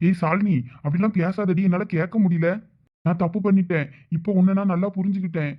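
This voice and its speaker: A woman's voice: fairly low pitch, fairly even intonation, brisk, dull audio, natural voice. A woman voicing a remorseful young husband in a cartoon, pleading and apologetic, with a Thoothukudi Tamil accent.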